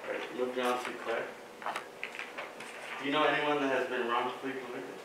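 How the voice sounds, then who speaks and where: A man questioning classmates as mock jurors in a university lecture hall, asking with frequent fillers and pauses. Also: medium pitch, steady tone. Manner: hesitant, filler-heavy questions. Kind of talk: classroom role-play questioning. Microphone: far camera. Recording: echoey hall from far off, noisy.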